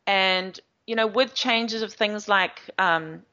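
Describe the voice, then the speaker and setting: Taking her time, a woman with a medium-pitched, pushed and bright voice speaks in a South African accent. She's an agile coach giving long interview answers, chatty and explanatory and full of fillers, captured on slightly dull audio.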